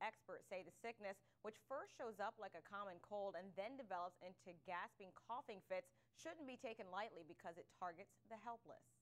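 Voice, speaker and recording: A woman talks in a plain, everyday voice at medium pitch. She keeps a moderate pace with ordinary pitch variation and hardly any pauses. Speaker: local TV news anchor/reporter. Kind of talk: local TV news report.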